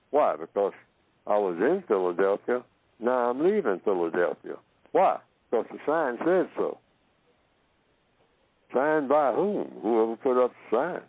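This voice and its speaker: A man from Oklahoma giving a slow philosophical talk, asking himself questions and answering them, and repeating phrases to build his point. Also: mid-range voice, no echo. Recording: tinny phone-line audio.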